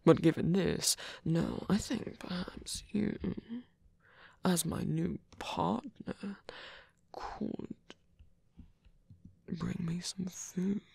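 Wounded male villain for ASMR roleplay, acted by a man: breathy, creaky, halting, tender and flustered. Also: high voice, darkish tone, no echo, exaggerated voice. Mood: hesitant, tender. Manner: halting, murmured, formal phrasing.

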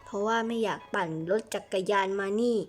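A woman's voice: mid-range voice, fairly even intonation, brisk, faint music behind. A woman chatting playfully through a game role-play, hopping between little characters.

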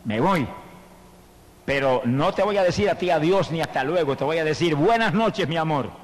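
A man's voice: fairly high pitch, lively intonation, normal speed, long reverb tail. A preacher acting out a dying mother who says tender, solemn farewells to her children.

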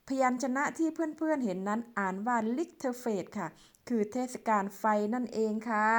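A middle-aged woman from Thailand, narrating her travel clips as a voice-over in a chatty, polite way, speaking to viewers as friends. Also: a little high. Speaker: vlogger.

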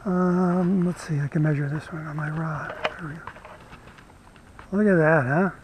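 A man's voice: on the high side, a little slow, background noise. Chatty man fishing from a kayak. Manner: relaxed, chatty, talks to camera while fishing. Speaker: fishing vlogger. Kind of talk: casual fishing commentary. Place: kayak on a lake outdoors. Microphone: head-mounted action camera.

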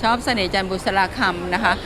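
A woman's voice: medium pitch, fast. A woman hosting a casual walk-around market vlog, chatting with vendors, exclaiming often and repeating their answers for viewers. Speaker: host of a plant market walk-around video. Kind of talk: casual on-location vlog commentary and vendor chat. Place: outdoor plant market. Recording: busy outdoor market crowd and street noise.

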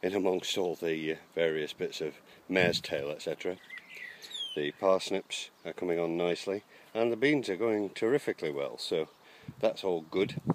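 A man's voice: low voice, background noise. A man casually narrating a walk around his garden allotment, talking hesitantly with many ums and uhs, recorded outdoors on a handheld camera. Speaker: allotment vlogger.

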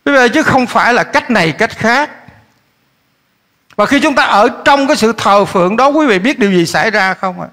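A male pastor, preaching a lively sermon that swings between loud urging and quiet asides while he keeps questioning the congregation. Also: very high voice, normal speed. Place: church hall. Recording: echoey church hall.

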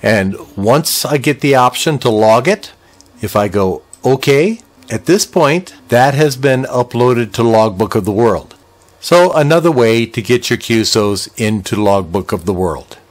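An older man, around his sixties, with an American accent, presenting a step-by-step software tutorial in a plain-spoken, conversational, explanatory way. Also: mid-range voice, animated, unhurried. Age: older, around 60s.

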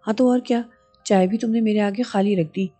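A woman's voice: medium pitch, steady tone, brisk, dark tone, soft background music, close to an everyday voice. A woman voicing a young wife, reading her lines in a teasing, emotional way. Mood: tender. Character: young wife, playful then hurt.

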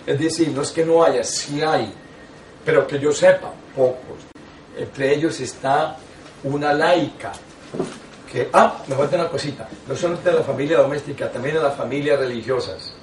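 An older man, a priest, teaching a lay audience in a small meeting room, telling stories with lively asides and restarts. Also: on the high side, moderate pace, distant mic, a little hiss or hum. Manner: animated storytelling with frequent asides and restarts. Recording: echoey room, taken from afar.

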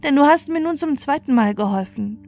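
A woman voicing a gentle, pitiful young child hero in a fairy tale, earnest and plaintive. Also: high-pitched, expressive, fairly quick, faint music behind, voice pushed up. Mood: grateful. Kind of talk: fairy tale storybook reading.

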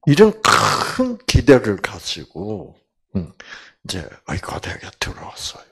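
A man's voice: medium pitch, vocal fry, husky. An older man, a doctor, giving a storytelling lecture about healing, acting out quoted voices and dropping to near-whispers. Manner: slow and animated, acts out quoted voices, drops to near-whispers.

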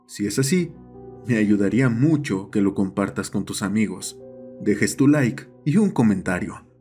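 A man's voice: lowish voice, lively intonation, a little slow, dark tone. A man narrating a scripted horror story as the host of the channel. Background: background music.

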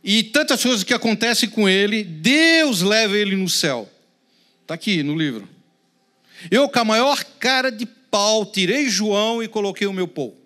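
A man with a Brazilian Portuguese accent preaching a sermon, swinging between loud emphasis and hushed, prayerful tones. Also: sits high, animated, normal speed. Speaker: pastor.

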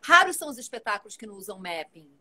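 A woman's voice: medium pitch, racing, crowd noise. A woman in her forties, an actress, talking casually and animatedly as a guest on a live video call from home. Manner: animated, talkative, gestures while speaking. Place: home room with plants and shelves.

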